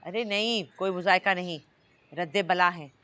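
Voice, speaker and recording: An actress playing a bossy, pious household woman who gives brisk commands, in Pakistani Urdu. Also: on the low side, pushed and bright. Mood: commanding. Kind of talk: TV drama acting.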